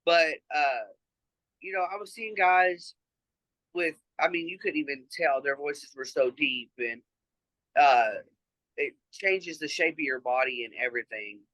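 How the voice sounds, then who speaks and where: A man's voice: fairly high pitch, a little slow, pushed and bright, no echo, rough recording. A trans man speaking earnestly and reflectively as an interview guest, with frequent fillers. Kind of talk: casual conversational interview.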